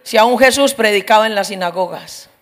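A middle-aged woman preaching a humorous testimony, telling her story lively and acting out the voices of others. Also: mid-range voice, brisk. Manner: lively storyteller, acts out voices, laughs often.

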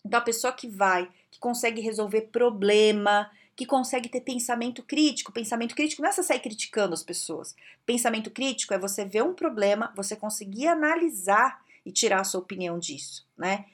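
A woman with a Brazilian Portuguese accent giving casual career advice straight to camera, lively and direct, often tagging her points with questions. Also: on the high side, a little fast, hardly any pauses.

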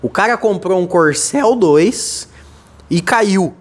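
A man's voice: high-pitched, animated, takes it slowly. A man with a Brazilian Portuguese accent hosting a podcast, talking in a casual, jokey monologue that rambles and often stumbles over repeated words. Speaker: podcast host.

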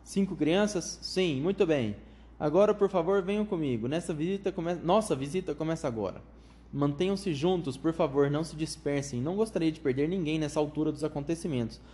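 A man takes on the role of an excitable, eccentric chocolate factory owner, his high, fluting voice spilling out eager welcome after welcome, though it remains near his everyday voice.

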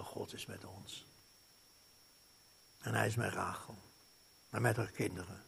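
Gravelly pastor preaching. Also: male voice, mid-range voice. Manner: earnest preaching with frequent "hè" tags and wide swings from loud to hushed. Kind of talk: sermon.

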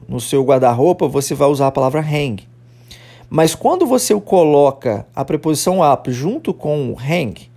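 A male English teacher with a fairly high, gravelly voice and a mellow, darker tone. He explains patiently and says each example phrase slowly so listeners can repeat it. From Brazil. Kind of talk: podcast English lesson in Portuguese.

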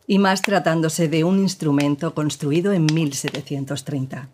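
An actress playing a woman who gravely recounts her partner's past in an audio drama, with measured, serious storytelling. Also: low-pitched, steady tone, darkish tone, slight background noise, lightly acted.

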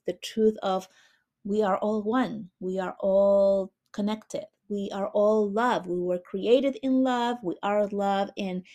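A woman from Chile hosting a spiritual podcast, talking in a soft, reverent way and drawing out her words. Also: medium pitch. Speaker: podcast host, spiritual healer.

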